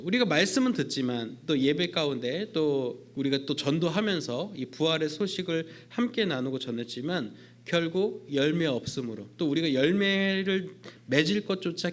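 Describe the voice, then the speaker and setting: Man, youth pastor, sermon, church service, conversational, fillers, slightly high voice.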